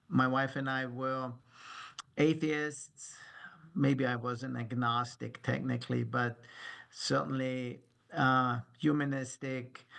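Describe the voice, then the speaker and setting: A man in his sixties with a German accent, a guest telling his story slowly and thoughtfully over a video call. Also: medium pitch, vocal fry, bright, forceful tone. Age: 60s. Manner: slow, reflective storytelling with laughs at himself.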